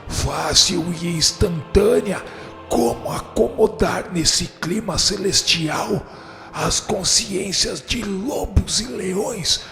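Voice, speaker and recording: Gravelly, haughty dark spirit judge, acted by a man. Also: sits high, slow pace, full character voice. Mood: scornful, forceful. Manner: pompous, declamatory, scornful. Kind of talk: radio drama acting. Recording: echoey hall reverb with music behind.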